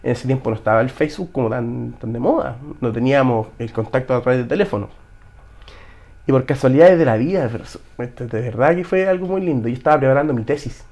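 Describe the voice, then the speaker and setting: A man's voice: mid-range voice, expressive, quick pace, darkish tone. A Chilean man in his thirties, telling a personal story as an interview guest, emotional with many restarts.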